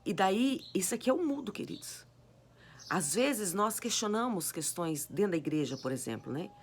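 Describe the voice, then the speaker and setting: A woman preaching a sermon with a hoarse, cracked voice, exhorting her listeners with repeated rhetorical questions. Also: mid-range voice, expressive, normal speed, slight background noise. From Brazil. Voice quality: raspy, cracked voice.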